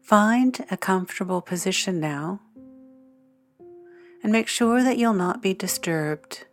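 A woman guiding a sleep meditation in a soothing, hushed, measured manner with long pauses between phrases. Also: mid-range voice, animated. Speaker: meditation guide, podcast host. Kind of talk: guided sleep meditation narration. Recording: music under the voice. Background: soft guitar and piano music.

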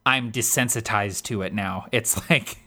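Man, podcast co-host, high voice, bright tone, chatty, laughs often. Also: a little slow. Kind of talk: casual chat.

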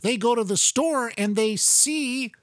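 A man's voice: extremely high pitch, slow pace, no room sound, studio quality. A man hosting a political talk show, chatting in a sarcastic, conversational way with many fillers and restarts. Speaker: talk radio host.

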